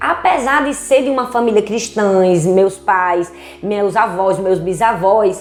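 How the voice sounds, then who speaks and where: Over music in the background, a woman with a strong northeastern Brazilian accent speaks very slowly at medium pitch, her pitch shifting in an ordinary way. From Northeast Brazil, Recife. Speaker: pastor. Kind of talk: casual chat. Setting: at the guest's home. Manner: talkative.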